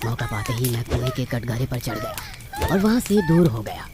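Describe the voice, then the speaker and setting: A man's voice: medium pitch, wildly swooping pitch, normal speed. A man narrating a scripted first-person horror story in a dramatic manner. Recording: loud music over the voice. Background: loud music.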